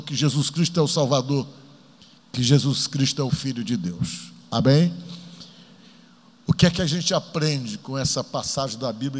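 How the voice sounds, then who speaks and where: A pastor preaching a sermon that retells a Bible story with animated, dramatic delivery. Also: male voice, on the high side. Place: church. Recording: long church-hall reverb.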